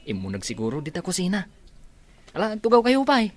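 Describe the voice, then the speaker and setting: An actor playing a friendly village eatery owner who speaks humbly and politely. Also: male voice, high-pitched, wildly swooping pitch, fairly quick. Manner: deferential, says sir often. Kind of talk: Ilocano radio drama acting.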